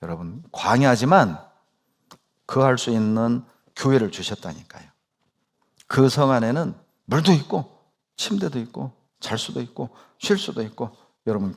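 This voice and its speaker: A man's voice: medium pitch, lively intonation, normal speed, vocal fry. A male pastor preaching a sermon, speaking emphatically and asking his congregation rhetorical questions.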